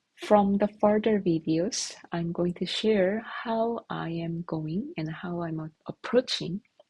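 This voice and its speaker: With a Korean accent, a woman speaks very slowly in a fairly low, somewhat breathy voice with ordinary pitch variation, recorded dry and close with no echo. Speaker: software developer vlogger. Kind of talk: casual devlog talk to camera. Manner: halting, with fillers and restarts.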